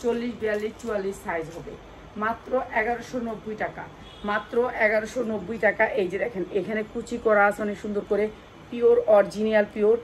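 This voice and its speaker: A woman with a Bangladeshi accent doing an insistent hard-sell live sales pitch for wholesale clothing, repeating key phrases and prices over and over. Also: steady tone, fast talker, a little hiss or hum, poor audio. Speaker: clothing wholesale seller presenting stock.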